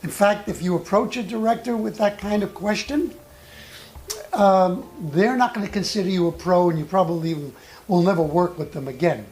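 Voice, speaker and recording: An acting coach giving an instructional talk with personal anecdotes, speaking in a measured, deliberate way with thoughtful pauses. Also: medium pitch, a little mellow, a little hiss or hum.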